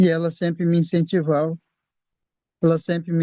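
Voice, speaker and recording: The voice has a dark, mellow tone and monotone, flat intonation, moving at a moderate pace. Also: man. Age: 60s. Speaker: pastor. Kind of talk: testimony.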